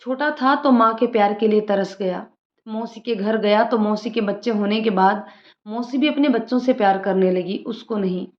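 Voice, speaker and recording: A woman voicing a lively young woman, an outspoken sister-in-law who jokes and bosses others around. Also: medium pitch, normal speed, lightly acted. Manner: bossy, joking, outspoken. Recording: roomy lo-fi room sound.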